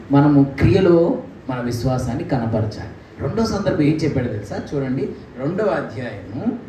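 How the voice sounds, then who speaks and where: A man preaching a sermon in a church, speaking animatedly with rhetorical questions and acted quotes. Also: mid-range voice. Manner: animated, mimics scripture voices, rhetorical questions. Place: church hall. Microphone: handheld mic. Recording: echoey church room, distant mic, faint noise.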